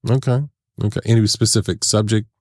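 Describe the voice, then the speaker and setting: A man hosting a podcast, playful and chatty, laughing often as he runs a quick question round. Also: lowish voice, steady tone, darkish tone, no echo, clean studio sound. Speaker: podcast host. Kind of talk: casual interview chat. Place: podcast studio.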